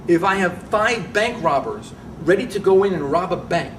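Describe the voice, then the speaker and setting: A middle-aged man speaking as a guest rabbi in casual interview talk, emphatic and animated, often restarting his phrases. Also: high-pitched, normal speed. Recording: distant mic with background noise.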